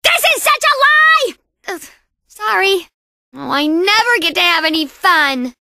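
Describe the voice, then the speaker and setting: A woman's voice: very high-pitched, big pitch swings, a little slow, creaky, pushed and bright, no room sound, studio quality, full character voice. A woman voicing a perky, cocky young female bandicoot racer in a video game, with a sassy, boastful, exaggerated cartoon delivery. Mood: sulky. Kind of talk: video game character voice lines.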